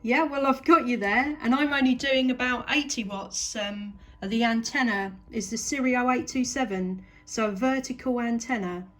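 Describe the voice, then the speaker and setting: A woman's voice: a little high, moderate pace, few pauses, a bit bright. A woman with a southern English accent, speaking casually as a radio operator making a long-distance contact.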